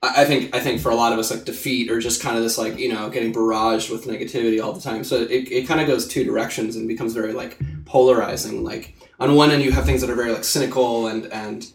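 A man's voice: medium pitch, fairly even intonation, fast, few pauses. Male podcast co-host, rambling and filler-heavy; roomy, distant mic. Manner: rambling, with many "like" fillers and restarts. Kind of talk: casual podcast chat. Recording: roomy, set back from the mic.

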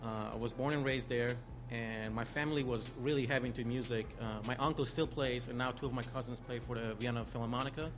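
Fast-talking Austrian-accented man. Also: medium pitch, steady tone. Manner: fast, easygoing, self-deprecating. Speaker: guest, music A&R. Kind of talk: casual interview storytelling. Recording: music playing behind.

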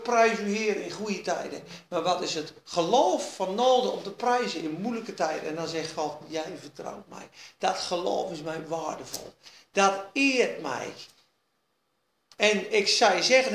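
Guy preaching a sermon, high voice, punchy and repetitive, echoey hall with faint noise. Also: gravelly. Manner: emphatic, repeats key phrases, drops to quiet asides. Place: evening church meeting.

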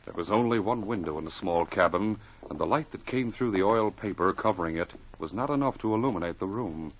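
A man's voice: low voice, lively intonation, a little fast. A man announcing and narrating dramatically and emphatically in 1940s radio style. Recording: dull, noisy old radio recording.

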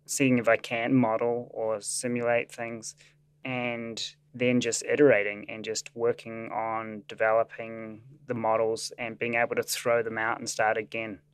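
Unhurried New man with a smooth voice. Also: mid-range voice, no echo. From New Zealand. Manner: thoughtful, with frequent "um"s. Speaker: staff scientist and animator. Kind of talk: interview explanation.

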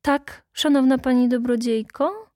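A woman's voice: high-pitched, unhurried, darkish tone, no room sound, clean studio sound, voice pushed up. A woman voicing a grim, sarcastic village farmhand who mutters his accusations. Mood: sardonic.

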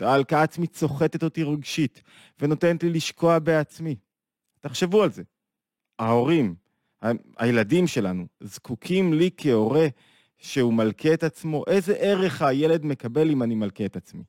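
A man's voice: mid-range voice, a little mellow, no echo, clean studio sound. A man giving a video talk on Jewish psychology, earnest and full of rhetorical questions that build to emphatic points.

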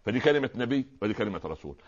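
A man with an Egyptian Arabic accent, a preacher explaining religious words in a lively talk-show conversation, often asking rhetorical questions. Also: on the low side, racing, dull audio. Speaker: Islamic preacher, guest scholar.

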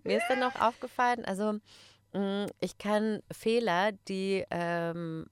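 Give me a woman teacher with a smooth, dry, close voice, chatting and explaining. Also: medium pitch, steady tone, unhurried, no room sound. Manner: explanatory, patient. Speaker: German teacher. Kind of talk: casual chat.

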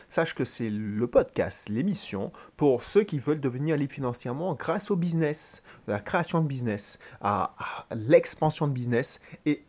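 A man's voice: mid-range voice, a little mellow. A man hosting a solo motivational podcast, speaking directly and informally to the listener, emphatic and often restarting his sentences. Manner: emphatic, pushing the listener to act. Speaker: podcast host.

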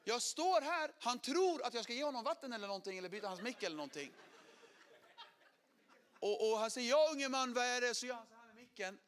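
A middle-aged man telling his conversion story as a sermon testimony, animated, acting out quotes and swinging from loud to hushed. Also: very high-pitched, few pauses.

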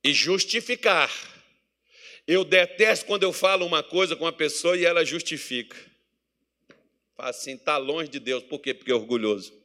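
A man with a Brazilian Portuguese accent, preaching a sermon as pastor, building to shouted emphasis. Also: on the high side, normal speed. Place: church meeting hall.

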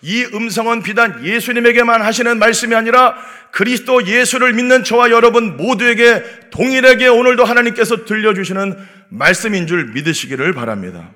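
A man's voice: extremely high pitch, a little fast, bright, forceful tone. A man preaching an early morning sermon, emphatic, firing rhetorical questions at the congregation. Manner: acts out the devil's taunts in a mocking voice. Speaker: pastor.

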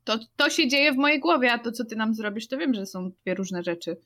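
A woman's voice: a little high, a little fast, pushed and bright. Female tabletop player, thoughtful, rambling, casual chat. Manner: thoughtful, rambling, searching for words.

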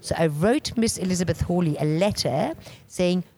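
A woman from Bavaria, in her forties, talking loudly and animatedly as an interview guest. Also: lowish voice, normal speed. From Germany, Bavaria. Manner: loud, animated storyteller. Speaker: interview guest, expedition record keeper. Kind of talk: casual interview talk.

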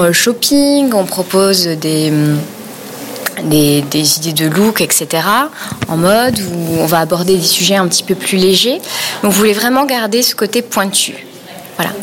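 A young woman answering interview questions with frequent pauses and fillers. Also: mid-range voice, slight background noise. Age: young adult. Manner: halting, filler-heavy. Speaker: webzine co-founder, guest.

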